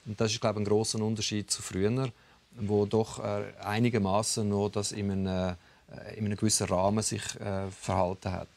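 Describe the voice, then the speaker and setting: A man, an expert explaining a trend deliberately in a documentary interview. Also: lowish voice, little pitch movement, gravelly, noisy background. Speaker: expert on violence.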